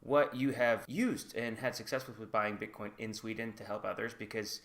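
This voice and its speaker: A man's voice: on the low side, steady tone, normal speed, vocal fry, fairly bright tone. A man talking casually to camera in his channel video, candid and hedging as he shares his own experience. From United States. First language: English. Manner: chatty and candid, hedging with "like" and "I guess". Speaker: vlogger.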